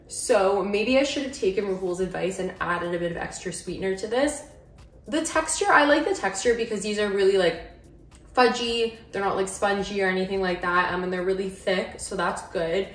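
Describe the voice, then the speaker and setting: Medium in pitch and a bit bright, this young woman's voice carries her food vlog, where she reviews recipes. Her manner is relaxed and informal, with "like" popping up often as a filler.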